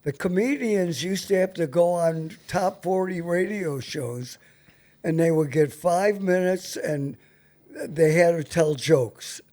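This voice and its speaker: A man in his seventies, a veteran radio host, reminiscing casually in a blunt, halting, salty way. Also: a little high, warm tone.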